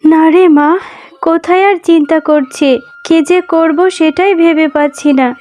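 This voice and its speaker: Woman as a high-voiced, plaintive mother fox. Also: steady tone, measured pace, darkish tone. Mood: resigned, gentle. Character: anxious, gentle mother fox sugarcane seller. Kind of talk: Bengali cartoon voice acting. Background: music.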